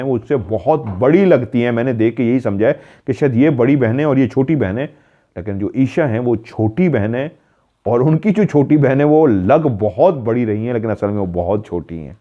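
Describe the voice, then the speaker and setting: A man's voice: medium pitch, fairly quick. A man narrating a paranormal story as a retelling, mimicking the voices of the people in it by raising his voice. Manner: dramatic retelling, mimicking calls in a raised voice. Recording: dull lo-fi sound.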